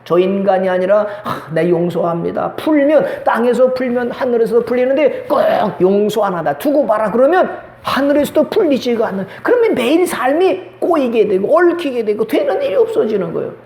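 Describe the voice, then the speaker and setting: Male pastor, high voice, preaching in an echoey church hall; asks the flock questions, acts out dialogues. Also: expressive, normal speed, a little mellow. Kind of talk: sermon. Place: church sanctuary.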